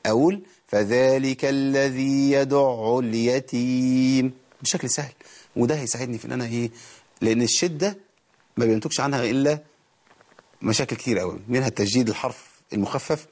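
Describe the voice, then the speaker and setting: A man with an Egyptian accent teaching Quran recitation on a TV programme, explaining rules in quick colloquial speech and reciting verses slowly. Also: mid-range voice, animated, a little mellow, breathy edge. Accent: Egyptian Arabic. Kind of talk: TV recitation lesson.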